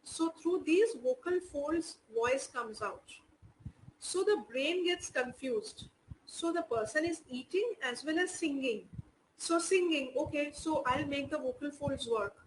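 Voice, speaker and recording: A woman with Indian English speech teaches an online lesson in a high voice. She explains patiently and fills her sentences with "you know". Faint noise sits under the recording. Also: measured pace, low-quality recording.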